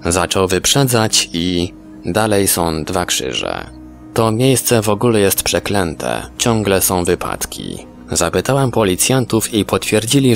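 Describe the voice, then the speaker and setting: Man, scripted documentary narration, animated intonation, creaky low register. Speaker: narrator reading articles. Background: background music.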